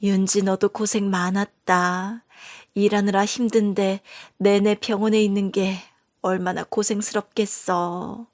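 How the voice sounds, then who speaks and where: A woman voicing a tired, gentle older mother who speaks softly and slowly with care. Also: medium pitch, little pitch movement, no room sound, studio quality, natural voice. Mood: tender. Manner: soft, slow, caring.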